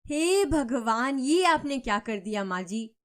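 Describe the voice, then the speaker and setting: A woman voicing a quarrelsome, scheming middle-aged female neighbor who talks loudly and accusingly in a cartoon story. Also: lively intonation, takes it slowly. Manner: loud, accusing and shrill.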